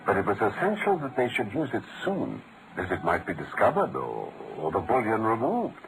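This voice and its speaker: An actor playing a brilliant, world-weary British gentleman detective in an articulate, theatrical old-time radio drama style. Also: on the low side, huge pitch swings, normal speed, noisy background. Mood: assured. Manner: articulate, theatrical, explanatory delivery.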